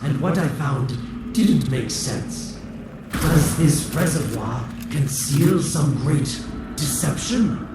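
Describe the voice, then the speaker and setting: An actor playing a smug, scheming video game villain with a sardonic, theatrical manner. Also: male voice, on the high side, takes it slowly. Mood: sardonic, probing. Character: smug, scheming male villain, slyly taunting and mocking. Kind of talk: video game character acting. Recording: distant, very echoey, over loud game noise.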